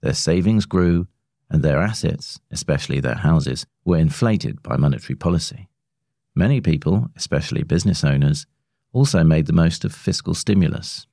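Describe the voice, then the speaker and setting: A man reads a long-form article as a scripted narrator. His voice is deep, with a creaky edge and a bright, forward tone, recorded close and dry. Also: animated, moderate pace, dry recording. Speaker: narrator of a magazine long read.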